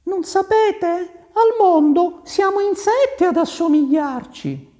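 Guy doing a sly young lady in a squeaky high falsetto, coy and teasing, storybook style. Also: animated, slow, dark tone, exaggerated voice. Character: clever, sly young noblewoman.

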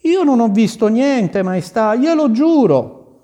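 A fretful storybook gardener pleading his innocence in a high, drawn-out, wavering voice, as a man puts him on. He speaks slowly and sounds scared. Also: big pitch swings, long reverb tail, heavily acted. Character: anxious older male gardener. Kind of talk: storybook reading.

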